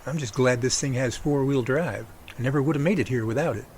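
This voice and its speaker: A man's voice: mid-range voice, fairly quick, a little mellow, a little hiss or hum, close to an everyday voice. A man acting as a chatty, good-humoured grown son in an amateur audio drama, with folksy delivery. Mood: chatty, wry.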